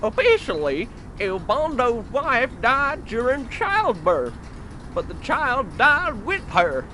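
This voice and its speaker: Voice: mid-range voice, big pitch swings, slow, pushed and bright, full character voice. An actor voicing a sassy female talking chicken in an audio drama, with a blunt, snippy manner. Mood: earnest, explanatory. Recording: faint background noise.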